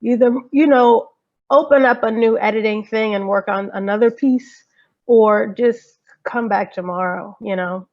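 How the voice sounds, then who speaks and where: Female panelist, gravelly fry, mid pitch, informal delivery, lo-fi audio. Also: unhurried. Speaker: panelist, audio drama community organizer. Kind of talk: casual panel talk. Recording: dull lo-fi video-call audio.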